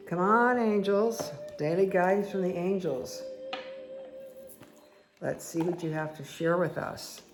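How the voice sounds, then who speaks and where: A woman with a croaky voice giving a casual, chatty tarot card reading that speaks directly to the listener. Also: on the low side, takes it slowly, pauses often. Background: background music.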